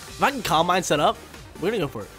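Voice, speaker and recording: High-pitched with big swings and a slightly bright edge, a young male gamer talks fast through a live video game battle for his YouTube channel. Allergies have him stuffy and nasal as he hypes himself up in slang and discusses his moves aloud, faint game music behind.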